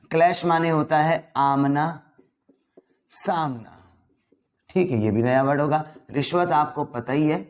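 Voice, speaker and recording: A man teaches English vocabulary in a casual classroom manner. He drills each word, repeats it, and keeps checking in with his students. His pitch sits in the middle range.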